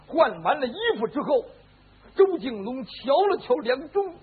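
Here a storyteller with an extremely high, slightly rough voice swings widely in pitch while recounting a traditional tale at normal speed. He performs it vividly, supplying his own sound effects, over a hissy, phone-like lo-fi recording.

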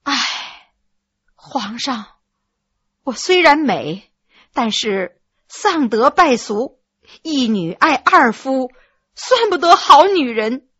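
A woman's voice: high-pitched, lively intonation, slow, pauses often, fairly bright tone, no echo, dull audio, heavily acted. A woman playing a shy, stammering young court lady. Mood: anxious. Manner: hesitant, stammering, sighing.

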